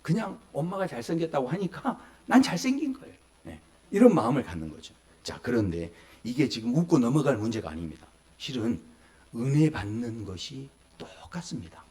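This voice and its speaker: A man's voice: medium pitch, brisk. A man in his forties preaching a sermon as pastor, telling stories, acting out small voices and asking the congregation questions. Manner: lively storytelling, acts out children and adults in little voices.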